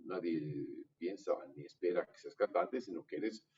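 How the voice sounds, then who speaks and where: A man with a Mexican accent, a music workshop teacher patiently coaching a student through a vocal improvisation exercise in halting, encouraging phrases. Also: low-pitched, darkish tone. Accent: Mexican Spanish. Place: university music classroom. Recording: dull, distant room recording with faint noise.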